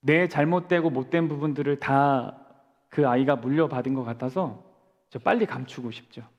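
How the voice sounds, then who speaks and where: A man's voice: mid-range voice, moderate pace, highs cut off. A man in his forties, a pastor preaching a sermon, telling a story and asking the congregation questions before answering them himself. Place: church sanctuary. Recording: long church-hall reverb.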